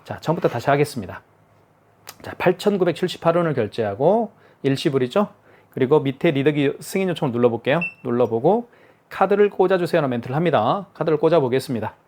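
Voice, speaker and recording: A man demonstrating a gadget on camera, talking viewers through every step. He explains patiently and often repeats a phrase to make sure it lands. His voice sits at an ordinary middle pitch. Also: lively intonation, quick pace, darkish tone. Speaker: product demonstrator. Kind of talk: hands-on product tutorial.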